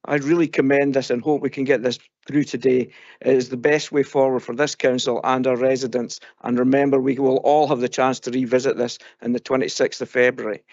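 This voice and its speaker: A man's voice: medium pitch, darkish tone, no room sound, lo-fi sound. A man who is an elected councillor, giving a formal prepared speech to propose a motion at a council meeting.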